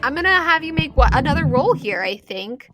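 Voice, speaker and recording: High-voiced woman running a tabletop game. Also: very animated, fairly quick. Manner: casual, descriptive storytelling. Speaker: game master. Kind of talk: narrating a tabletop roleplaying game. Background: music.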